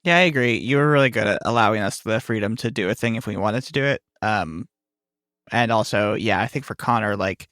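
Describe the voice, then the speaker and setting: A man's voice: lowish voice, brisk, a bit bright, no room sound, clean studio sound. A man co-hosting a podcast, talking in an offhand, joking way in casual chat. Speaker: podcast co-host and player.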